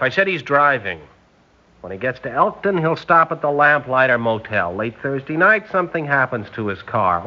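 A man playing a scheming male spy who poses as a loyal engineer, with a smooth, sly, sarcastic delivery in a vintage radio drama. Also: mid-range voice, natural voice. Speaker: scientist on a secret propulsion project. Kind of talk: 1950s radio drama acting. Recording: dull lo-fi vintage radio broadcast.

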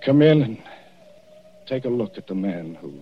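An actor playing a calm, defiant doctor in an old radio drama, answering a killer firmly and without fear. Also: male voice, fairly low pitch, moderate pace. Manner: cool, firm, unshaken. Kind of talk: 1940s radio acting. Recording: dull lo-fi vintage radio recording.

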